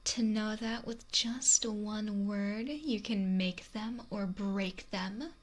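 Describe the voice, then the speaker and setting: A woman voicing a possessive, lonely, wealthy female mafia boss in a whispery, breathy, domineering ASMR roleplay, close to the microphone. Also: mid-range voice, takes it slowly. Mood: possessive, yearning. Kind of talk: intimate ASMR roleplay monologue. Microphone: close binaural microphone. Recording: noisy close binaural whisper recording.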